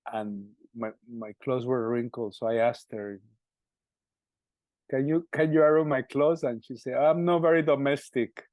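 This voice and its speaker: A middle-aged man from Colombia, speaking English with a Colombian Spanish accent as a musician being interviewed. He talks haltingly, repeating words and restarting often. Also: medium pitch, darkish tone, dry recording. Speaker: musician guest. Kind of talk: interview answers.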